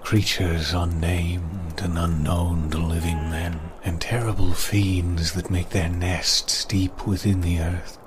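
A man's voice: sits low, level tone, slow, few pauses, noisy background. A man playing an easygoing, boastful monster hunter for hire in an audio drama, with a hesitant, rambling delivery. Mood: confident, boastful. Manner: hesitant, rambling, munches while talking.

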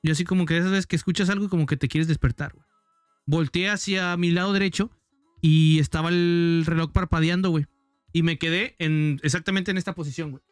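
Man, podcast storyteller, fairly high voice, dry close sound, acts out noises. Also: fast talker, clean tone, dry recording, faint music behind. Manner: animated, mimics sounds, says "güey" constantly. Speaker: podcast co-host. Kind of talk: casual storytelling.

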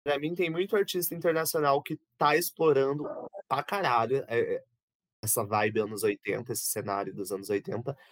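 A man's voice: mid-range voice, fairly even intonation, moderate pace, fairly bright tone, dry recording. A man in casual chat, teasing and bossy as he pushes others to start.

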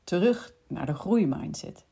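A woman hosting a podcast, calmly explaining in scripted narration and speaking directly to the listener. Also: lowish voice, measured pace, vocal fry, breathy edge. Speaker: podcast host.

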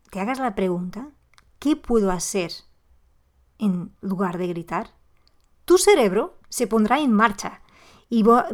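A woman hosting a parenting podcast, speaking straight to the listener in an expressive way with sudden exclamations. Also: on the high side. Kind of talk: podcast monologue addressed to listener.

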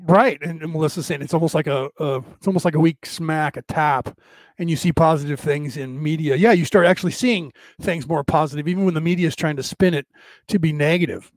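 Man, middle-aged, rough odd-sounding voice, rambling livestream host, slightly high, dry sound. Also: a little fast, no room sound. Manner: rambling, many restarts and fillers. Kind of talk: casual spiritual talk to a live audience.

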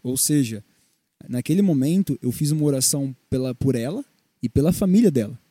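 A young Brazilian man tells faith stories at a brisk clip on a casual Christian podcast, slipping into the voices of the people he quotes. His tone is deeply dark and mellow, with a slightly raised pitch for a man. The sound is close and dry, with no room around it. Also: husky, dry recording. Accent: Brazilian Portuguese. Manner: animated storyteller, acts out quoted dialogue. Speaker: podcast co-host.

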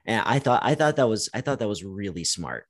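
A man with a fairly low voice, chatting casually on a podcast. He teases and argues back in a playful way, with plenty of fillers. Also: very animated, brisk. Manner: playful, teasing, contrarian. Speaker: podcast host. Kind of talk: casual movie review chat.

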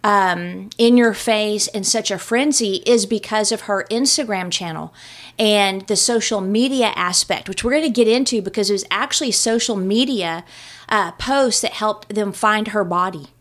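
A woman's voice: medium pitch, moderate pace. A woman hosting a podcast, chatting in a rambling, casual way about a true crime case. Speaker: podcast host.

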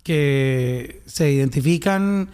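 A man's voice: a little high, slow, a little mellow, clear, resonant tone. A man from Colombia with a Colombian accent, hosting a conversational interview. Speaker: host.

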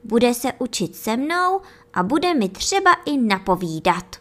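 A woman voicing an eager, dreamy young schoolboy in a children's story, chattering with excitement. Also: a little high.

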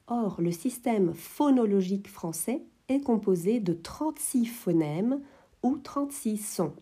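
A woman hosting an educational podcast, explaining French phonetics in a clear, measured way. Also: medium pitch, mellow. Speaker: French teacher, podcast host.

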